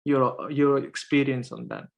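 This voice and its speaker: A man moderates a panel over a video call, his voice at a middling pitch. His first language is Nepali, and he talks hesitantly, with lots of fillers and restarts. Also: wildly swooping pitch, a little slow, vocal fry.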